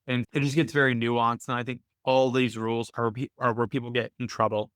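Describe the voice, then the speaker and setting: A man's voice: medium pitch, flat delivery, fairly quick, fairly bright tone, clear, resonant tone, no echo. Man hosting a casual trading call. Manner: conversational, thinks aloud with restarts and "right?" tags. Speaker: host of a weekly trading call. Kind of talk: casual live Q&A explanation.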